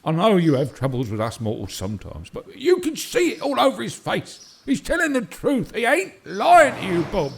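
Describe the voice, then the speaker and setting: Audio drama servant. High, extremely animated pitch, homespun and deferential, soft-hearted, stammering. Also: male voice, moderate pace, gravelly, few pauses, husky, full character voice. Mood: pleading, upset. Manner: folksy, stammering, pleading, ungrammatical. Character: eager, kindly, deferential male servant. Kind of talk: audio drama character acting.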